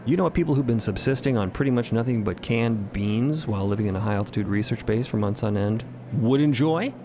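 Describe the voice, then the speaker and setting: A man's voice: mid-range voice, fairly quick, noisy background. A man narrating audio fiction in a dramatic storytelling style. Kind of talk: dramatic scripted-sounding storytelling. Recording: music behind the voice.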